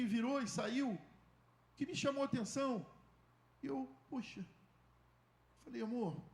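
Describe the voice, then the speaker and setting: A male pastor preaching a sermon, telling a story and acting out the dialogue, swinging from loud calls to hushed tones. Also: high voice, reverberant. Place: church.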